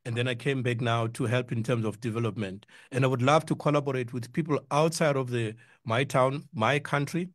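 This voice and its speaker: A middle-aged South African man hosts a music interview on community radio. His sound is dry and close, with a mid-pitched voice. He talks casually, circling around his point and doubling up words for emphasis. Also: steady tone, fairly quick, hardly any pauses, dry recording. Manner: rambling, repeats words for emphasis.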